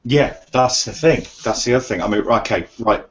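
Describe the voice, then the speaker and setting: A man hosting a casual chat, relaxed and matter-of-fact. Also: medium pitch, normal speed. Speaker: host. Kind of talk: casual chat reviewing vape juice. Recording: muffled lo-fi recording.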